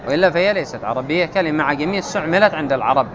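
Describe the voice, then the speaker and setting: A man with a high voice leads a classical grammar lesson, reading the text aloud slowly and firing questions at the class before answering them himself. The recording is muffled and lo-fi. Loud traffic and vehicle noise run behind it. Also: animated. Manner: reads text slowly, quizzes students. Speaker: grammar teacher. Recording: muffled, noisy with outdoor traffic.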